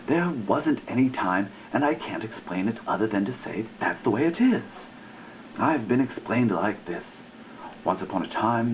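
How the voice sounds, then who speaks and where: A man giving a dramatic reading of a written text, with a theatrical, emphatic delivery. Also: on the low side. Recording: tinny lo-fi recording with faint hiss.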